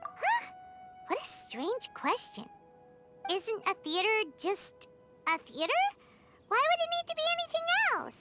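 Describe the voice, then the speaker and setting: A woman voicing a tiny, excitable, fairy-like companion girl in a game, with a squeaky, bouncy voice and chirpy, eager talk. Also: measured pace, long pauses, loud music behind the voice, heavily acted. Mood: puzzled.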